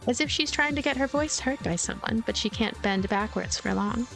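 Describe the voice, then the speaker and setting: High-voiced woman narrating over game music. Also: normal speed, vocal fry, fairly bright tone. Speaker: let's play host narrating. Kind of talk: expressive story narration with casual commentary.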